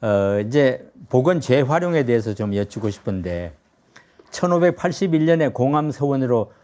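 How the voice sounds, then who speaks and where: A man hosting an interview, asking questions in a measured way and listing historical dates carefully. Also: medium pitch, animated, a little mellow. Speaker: interview host.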